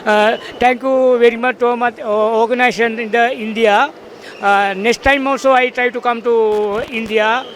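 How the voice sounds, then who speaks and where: A man's voice: extremely high pitch, steady tone, normal speed, fairly bright tone. A man from Sri Lanka, a karate tournament organizer, speaking broken English with many fillers. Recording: faint outdoor street noise.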